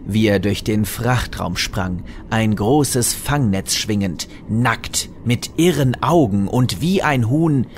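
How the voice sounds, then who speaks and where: A man narrating a comic audio drama from a script, dryly, with dramatic pauses. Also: on the low side, a little hiss or hum. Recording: music behind the voice.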